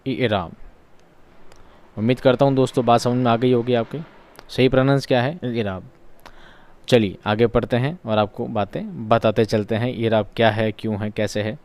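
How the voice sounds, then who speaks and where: A man's voice: medium pitch, fairly even intonation, brisk, darkish tone, clean tone. A man teaching an exam-prep lesson. He asks questions and answers them himself, and he repeats key words for drilling. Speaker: online teacher.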